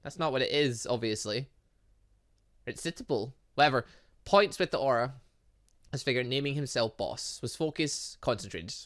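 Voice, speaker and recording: A man's voice: mid-range voice, lively intonation, normal speed, a bit bright. A man hosting a gaming video, reading game dialogue aloud with chatty asides and sometimes stumbling over words. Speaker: gaming channel host.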